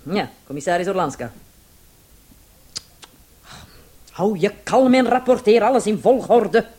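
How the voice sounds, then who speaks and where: An actress in a Dutch radio play as a brisk, authoritative police commissioner with a businesslike, deadpan delivery. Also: female voice, medium pitch, natural voice. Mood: brisk, commanding.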